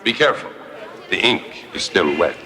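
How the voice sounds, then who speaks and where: An actor playing a pompous, demanding radio star and director with a theatrical, imperious delivery in a television drama. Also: male voice, low voice, very animated, moderate pace, sharp tone, faint music behind, full character voice. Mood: brisk, commanding.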